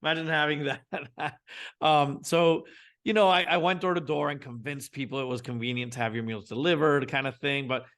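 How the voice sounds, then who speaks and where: Bright-voiced man in his forties. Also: a little high, moderate pace. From Venezuela. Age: 40s. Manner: animated, frequent restarts, acts out his own thoughts. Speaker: guest entrepreneur. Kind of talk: casual interview storytelling.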